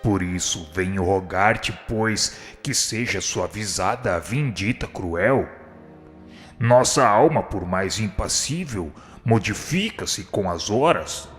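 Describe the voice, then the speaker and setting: A man's voice: lowish voice, expressive, slow. An actor playing a kind, humble spirit instructor in a radio drama, solemn and eloquent as he pleads. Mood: tender pleading, then solemn persuasion. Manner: solemn, supplicating, formal and eloquent. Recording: long hall reverb, music underneath. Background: music.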